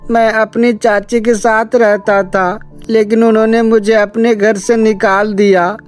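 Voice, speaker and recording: A woman's voice: a little high, flat delivery, soft background music, natural voice. A woman voicing a sad, polite little orphan boy in a cartoon moral story, speaking plaintively. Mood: lost, sad. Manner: plaintive, slow.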